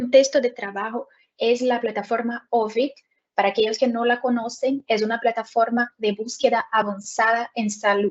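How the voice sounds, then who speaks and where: A woman speaks with a Brazilian accent. Her intonation is monotone and flat. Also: fairly high pitch for a woman, moderate pace. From Brazil, São Paulo. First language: Portuguese (speaking Spanish). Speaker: nurse and researcher, webinar presenter. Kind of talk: webinar presentation. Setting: online webinar. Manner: halting, with filler sounds.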